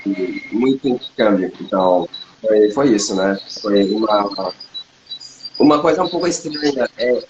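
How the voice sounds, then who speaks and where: A man who speaks Portuguese as a learned language, chatting casually as a co-host and often restarting his sentences. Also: medium pitch. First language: not Portuguese. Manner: hesitant, many restarts and fillers. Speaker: co-host, polyglot. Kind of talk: casual chat. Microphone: livestream recording. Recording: roomy echo, faint noise.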